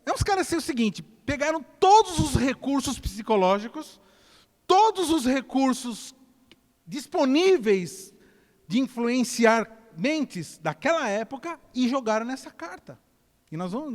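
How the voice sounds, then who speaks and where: A man with a Brazilian Portuguese accent, preaching a sermon as a pastor in an animated way and calling out to his congregation. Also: very high-pitched, normal speed. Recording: long church-hall reverb.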